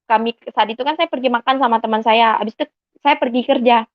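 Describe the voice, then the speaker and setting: A woman's voice: on the high side, fast talker, dry recording. Young Indonesian woman telling her testimony. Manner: earnest storytelling that acts out quoted dialogue. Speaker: convert giving a testimony. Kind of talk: personal testimony. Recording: slightly dull, dry recording.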